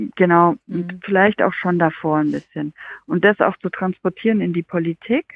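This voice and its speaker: A woman speaks in an ordinary speaking voice at a fairly low pitch and moderate pace, with ordinary pitch variation. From Germany, Stuttgart (Swabia). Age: 40s. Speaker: social worker in juvenile justice. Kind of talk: casual interview chat.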